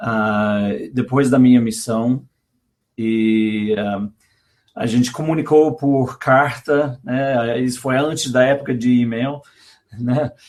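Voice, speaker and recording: A man at a very slow pace, with long, frequent pauses and fairly even intonation. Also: medium pitch for a man. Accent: slight Rio de Janeiro. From USA, moved around (military family). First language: English (speaking Portuguese). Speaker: biblical scholar. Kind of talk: interview. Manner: hesitant, many fillers.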